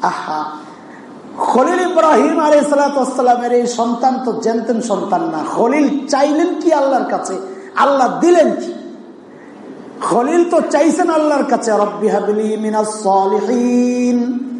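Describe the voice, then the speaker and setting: A man delivers a heartfelt sermon, breaking into long sighs and slow chanted verses. His voice sits very high for a man. It rings through an echoey hall with a faint hum of ambience behind it. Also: animated. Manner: emotional, sighing exclamations, sings verses slowly. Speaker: preacher. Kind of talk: Bengali sermon with chanted Quranic recitation.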